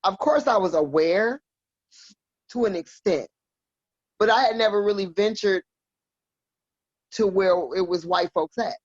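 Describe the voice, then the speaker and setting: A woman's voice: medium pitch, a little slow, long pauses, no room sound. A woman in her forties from Milwaukee, a podcast guest telling personal stories in a frank, salty, laughing way. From Milwaukee, Wisconsin. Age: 40s. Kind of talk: casual chat, personal storytelling. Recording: dull lo-fi dry sound.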